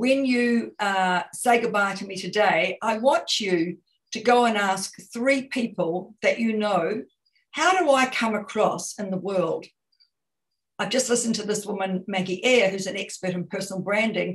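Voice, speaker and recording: A woman with a New Zealand accent speaks at a medium pitch and a moderate pace. Her voice is somewhat breathy, with ordinary pitch variation. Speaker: communication consultant. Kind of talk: webinar talk. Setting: video call. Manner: natural, conversational.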